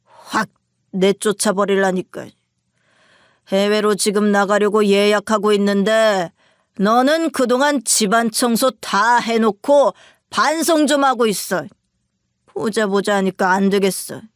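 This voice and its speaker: A woman voicing a drunk, arrogant husband who shouts and orders his wife around in a narrated story. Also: fairly high pitch, dry recording, studio quality, close to an everyday voice.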